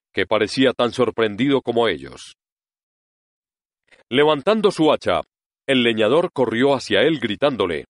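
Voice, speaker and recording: A man narrating an audiobook story in an expressive reading voice, close to the mic. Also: mid-range voice, no echo.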